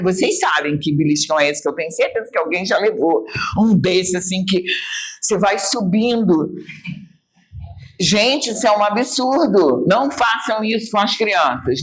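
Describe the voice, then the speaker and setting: A woman with a Brazilian Portuguese accent leads a church Bible study lesson. She speaks emphatically and expressively, addressing her listeners directly and acting out remarks in changed voices. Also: mid-range voice. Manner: emphatic and expressive, talks straight to the group.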